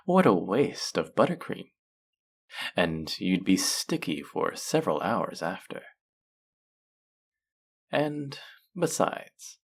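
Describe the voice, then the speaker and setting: A man plays a male faerie trickster in an intimate audio drama, using a low, gravelly voice that swings widely in pitch. Heavily acted, he's smug and mock-stern, drawing out his words in a sultry, teasing way as he playfully scolds like someone firmly in charge.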